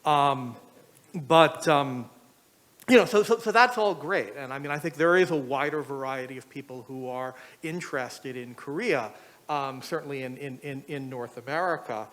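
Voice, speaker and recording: A man's voice: mid-range voice, normal speed, a bit bright. A middle-aged male professor speaking as a panel discussant, hesitant, with many fillers and restarts. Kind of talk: academic panel remarks.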